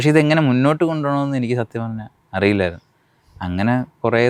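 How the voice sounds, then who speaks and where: A man talks in an unremarkable speaking voice. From Kerala, Thiruvananthapuram. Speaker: ultra runner and army soldier. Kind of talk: interview.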